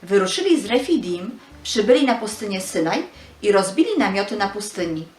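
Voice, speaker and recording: A woman's voice: medium pitch, expressive, brisk, echoey room. A woman giving a scripted narration of a Bible story for children.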